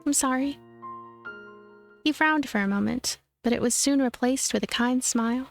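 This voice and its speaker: A woman doing expressive story narration for a visual novel let's play. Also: fairly high pitch, brisk, vocal fry. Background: game music.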